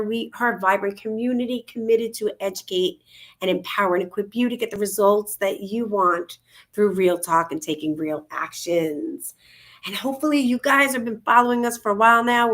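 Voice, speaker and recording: A bubbly, gushing woman co-hosts a laid-back livestream talk show by video call from indoors at her Florida home. Her medium-pitched voice has a fairly bright tone, suiting the upbeat chat.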